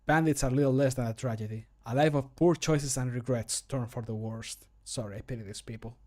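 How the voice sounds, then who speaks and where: A man voicing a grim, resolute fantasy adventurer for a video game, in measured, solemn phrases that fall away at the end. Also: medium pitch, fairly even intonation, a little mellow, natural voice. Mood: sombre pity. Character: grim, resolute male fantasy adventurer who fights bandits. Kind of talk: scripted video game voice line. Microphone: close studio microphone.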